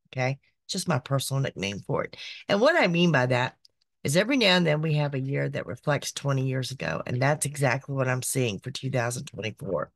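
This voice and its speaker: A woman, hosting a psychic podcast, her voice raspy from being sick, chatty and repetitive. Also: sits low, dry recording. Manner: chatty, repeats phrases, frequent "okay". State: raspy voice from illness. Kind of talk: casual monthly horoscope reading. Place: small decorated home room.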